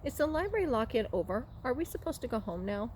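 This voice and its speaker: A woman's voice: fairly high pitch, very animated, quick pace, a little mellow. Woman reading as an eager game-loving boy. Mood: eager, curious. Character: eager, curious boy who loves games. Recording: clearly noisy room recording.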